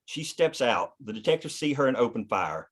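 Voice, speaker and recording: A man's voice: medium pitch, sing-song, normal speed, slightly rough. Man reading screenplay stage directions. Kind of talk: scripted narration at a screenplay table read.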